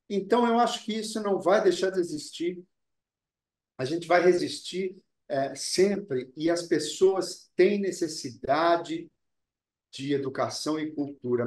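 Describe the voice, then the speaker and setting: Homem ponderado com voz aguda, numa sala com eco. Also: male voice, fairly high pitch, darkish tone, reverberant. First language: Italian. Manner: earnest, deliberate, repeats words while thinking. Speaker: actor, interview guest. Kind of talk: reflective interview talk.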